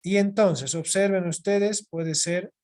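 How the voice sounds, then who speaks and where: A patient teacher lecturing an online class over a video call microphone. The voice sits at a middle pitch. Key points come back again and again, with a quick check-in after each. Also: steady tone, darkish tone. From Bolivia.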